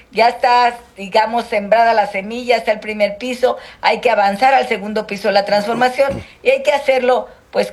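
A woman politician from Guerrero, Mexico, answering interview questions in a measured, halting way with many fillers. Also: a little high. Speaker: politician, senator.

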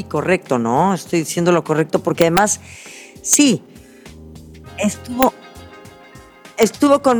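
A woman's voice: low voice, a little mellow. Chatty Mexican woman radio host. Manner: chatty, rambling, self-correcting; emphatic, heartfelt. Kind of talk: casual radio monologue.

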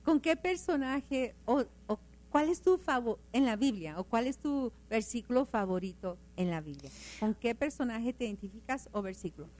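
A woman's voice: fairly high pitch, animated, moderate pace, darkish tone. A woman hosting a Christian radio interview, friendly and affirming as she asks questions. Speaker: radio host.

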